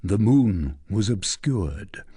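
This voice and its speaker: In a fairly low, husky voice, a man narrates a classic novel as an audiobook, telling the story in a measured, expressive manner.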